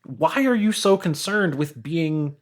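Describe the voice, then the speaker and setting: A man's voice: fairly high pitch, lively intonation, slow pace. A man in casual podcast chat, talking in an emphatic, rambling way and mocking himself. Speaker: podcast speaker.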